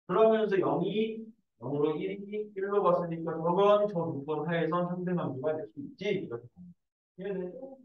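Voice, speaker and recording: A man teaching math in a classroom, mixing the lecture with lively, joking stories. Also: sits high, normal speed. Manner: animated, joking storyteller. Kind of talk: lecture mixed with casual anecdotes. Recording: echoey room, distant dull mic.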